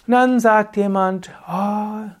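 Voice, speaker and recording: A man giving a spoken spiritual teaching, talking calmly and directly to the listener in short, repeated phrases. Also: fairly high pitch, measured pace.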